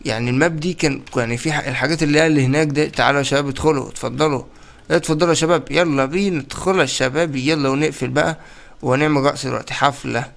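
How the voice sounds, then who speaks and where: A young man with an Egyptian Arabic accent giving excitable, chatty let's-play commentary and talking straight to his viewers. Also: on the high side, very fast, gravelly. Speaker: gaming YouTuber.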